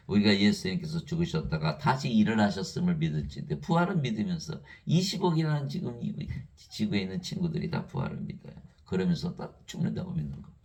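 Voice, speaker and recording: A man preaching a sermon in an emphatic, lively way, reading scripture aloud and laughing between points. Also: low-pitched, creaky.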